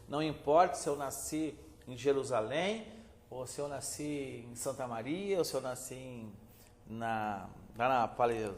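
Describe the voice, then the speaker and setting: Man, a pastor giving a Bible lesson, earnest and conversational, medium pitch, in a reverberant hall. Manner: earnest, addresses listeners as brothers, many filler "né". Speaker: pastor teaching a theology class. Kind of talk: classroom Bible lecture.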